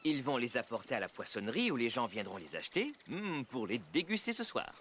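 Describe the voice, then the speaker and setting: A bouncy, cheerful cartoon dad. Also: male voice, mid-range voice, very animated, brisk, fairly bright tone, slight background noise. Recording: clear music underneath.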